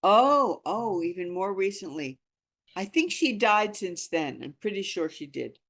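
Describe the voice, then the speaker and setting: A woman's voice: medium pitch, very animated, measured pace, a bit bright. Earnest, emphatic woman in her sixties. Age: 60s. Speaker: reading group leader. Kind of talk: informal group discussion talk.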